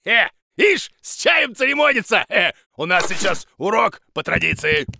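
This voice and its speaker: A man's voice: high-pitched, very animated, normal speed, vocal fry, background noise, full character voice. A man voicing a bumbling, boastful monster teacher in a children's cartoon, exclaiming and mangling words. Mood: blustering. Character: bumbling, boastful big monster who plays teacher, male.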